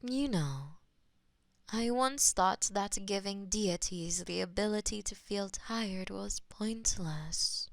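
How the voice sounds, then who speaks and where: A woman playing a possessive, lovestruck goddess of death in an intimate romantic audio roleplay, with a breathy, theatrical delivery that often drops to whispers. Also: mid-range voice, slow pace, dry recording, clean studio sound. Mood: drowsy affection.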